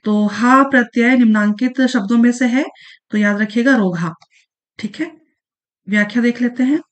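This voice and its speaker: A female exam-prep teacher walks students through exam questions in a relaxed, casual lesson, her voice sitting a little high. She repeats points, uses frequent fillers and keeps reminding them to remember each answer with "ठीक है, याद रखिएगा".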